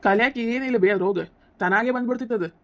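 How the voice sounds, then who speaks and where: A fast, insistent voice for a young village husband who scolds and lectures his family in a cartoon comedy, acted by a woman. The pitch sits a touch high, and the North Karnataka Kannada accent is strong. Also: natural voice. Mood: scolding. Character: heated young husband defending his wife against his mother.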